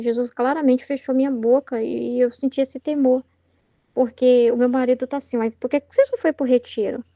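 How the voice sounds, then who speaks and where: A Brazilian woman with a high, mellow voice gives an informal spiritual teaching to her Catholic study group. She talks earnestly and conversationally, full of fillers and restarts. The sound is close and dry. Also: no room sound. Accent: Brazilian Portuguese.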